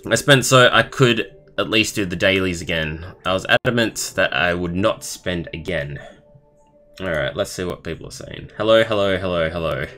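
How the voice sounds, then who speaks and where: A young man live streaming, reading a story aloud in a halting way and adding casual comments of his own. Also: sits low, bright, forceful tone. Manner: halting, stumbling over words while reading. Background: background music.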